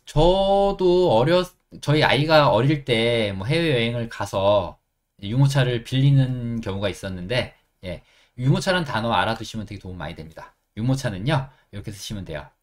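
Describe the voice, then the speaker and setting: A middle-aged man with a Korean accent, teaching an English lesson and repeating phrases slowly, step by step. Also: medium pitch, animated.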